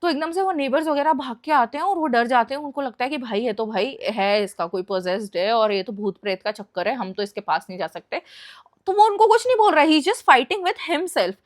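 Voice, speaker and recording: Young woman, high voice, casual storytime narration, animated, code-switching. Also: brisk. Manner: animated, mixes Hindi and English.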